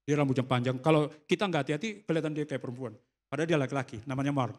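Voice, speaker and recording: A man with an Indonesian accent, a pastor, races through a sermon in a church service hall with a medium-pitched voice. He tells a personal story, slips in English phrases, and quietly performs the lines he quotes.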